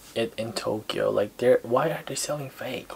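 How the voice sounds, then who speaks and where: A man with a Filipino accent, over noticeable background noise. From Philippines. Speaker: vlogger. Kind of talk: casual chat, reading comments aloud. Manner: hesitant, filler-heavy.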